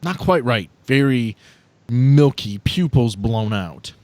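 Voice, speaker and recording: A man's voice: mid-range voice, animated, slow pace, a little mellow, dry recording. A man acting as game master, narrating a tabletop role-playing game in a casual, explanatory way. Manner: casual, explanatory, joking asides.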